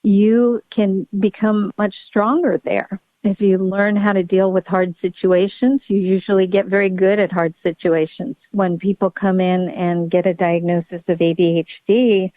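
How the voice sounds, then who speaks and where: A woman's voice: mid-range voice, level tone, measured pace, hardly any pauses, no echo. Woman doctor guest, earnest and upbeat, heard over a dry, tinny phone-like line. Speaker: pediatric neurologist guest. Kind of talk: podcast interview.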